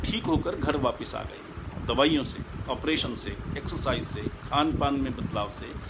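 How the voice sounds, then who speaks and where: Both audible room echo and noticeable background noise fill the recording. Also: man, fairly high pitch for a man, ordinary pitch variation, moderate pace. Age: 60s. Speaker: happiness coach. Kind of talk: motivational talk. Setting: live online session.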